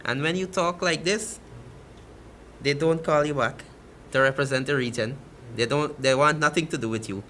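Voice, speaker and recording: A man's voice: on the high side, normal speed, pushed and bright, slight background noise. A man with a Guyanese accent speaks as a fishermen's representative on a talk show, emphatic and passionate.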